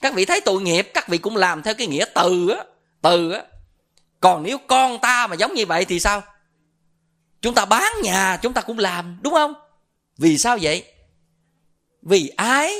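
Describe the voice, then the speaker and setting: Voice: medium pitch, fairly bright tone. Preacher questioning the listeners. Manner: asks the audience rhetorical questions; repeats filler words while searching for a phrase. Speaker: Buddhist dharma teacher. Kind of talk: Buddhist dharma sermon.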